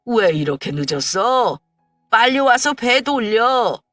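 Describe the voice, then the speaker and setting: A woman voicing a gruff older husband who appears in a dream, brusque and bossy in how he talks, recorded dry and a little distant. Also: on the high side, very animated, slow pace, fairly bright tone, no room sound, faint music behind, voice pushed up, full character voice. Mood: impatient. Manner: brusque, barking commands.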